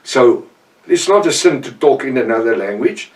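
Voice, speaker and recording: A man's voice: medium pitch, lively intonation, distant mic. Older Afrikaans-accented man preaching. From South Africa. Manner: earnest, halting, with many restarts. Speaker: professor and preacher. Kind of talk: informal Bible teaching.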